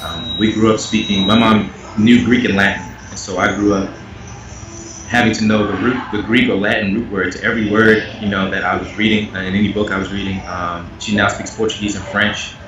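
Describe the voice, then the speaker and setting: A man speaking earnestly as an interview guest, getting animated when he makes a point. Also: lowish voice, brisk, far from the mic. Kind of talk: candid conversational interview. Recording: echoey, muffled, noisy remote audio.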